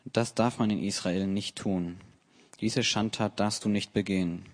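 An earnest, pleading young princess in a scripture reading, read out by a man in his own low voice. The reading stays calm and measured. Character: young princess pleading with her brother, female.

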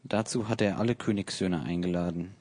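A man reads a scripture passage aloud in a steady, measured way. His voice sits on the low side. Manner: steady, measured reading with small restarts. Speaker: Bible reader. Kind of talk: plain Bible reading.

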